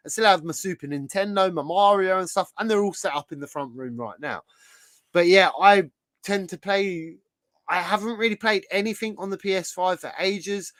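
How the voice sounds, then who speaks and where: Male streamer, hoarse from a sore throat, slightly high voice, dry close sound, rambling host chatter. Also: fairly bright tone, no room sound. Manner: chatty, rambling, thinks aloud while browsing. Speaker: livestream host. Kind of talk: casual livestream chat.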